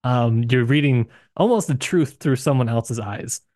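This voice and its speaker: Casting: man, casual podcast co-host, thinks aloud with lots of restarts, medium pitch, dry close recording. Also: unhurried, dry recording. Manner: hesitant, many restarts and hedges, animated pitch jumps. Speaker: podcast co-host discussing a novel. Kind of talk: casual book discussion.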